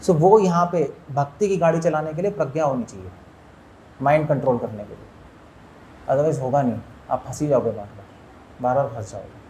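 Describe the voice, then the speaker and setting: A man's voice: medium pitch, moderate pace, dark tone, a little hiss or hum. A man, a monk, giving a spiritual lecture to an audience, asking them questions and mixing in English words. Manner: asks listeners questions, mixes in English words.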